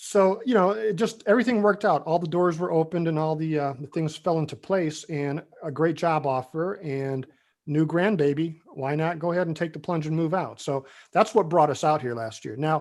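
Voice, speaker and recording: With an American accent, a man speaks in a plain, everyday voice, fairly high in pitch, at a moderate pace with ordinary pitch variation. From Detroit, Michigan. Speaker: author and family researcher. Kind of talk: interview.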